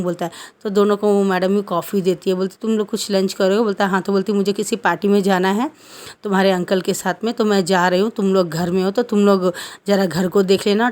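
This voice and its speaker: A woman's voice: mid-range voice, darkish tone, smooth. A woman casually retelling a fan story, narrating and quoting the characters' lines. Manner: plain narration with quoted dialogue, repeated "bolta hai".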